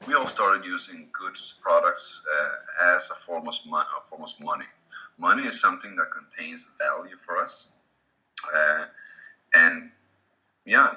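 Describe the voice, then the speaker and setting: A man with a Swedish accent, a native Swedish speaker, giving a casual slide presentation with halting restarts. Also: low voice, bright, forceful tone, rough recording. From Sweden.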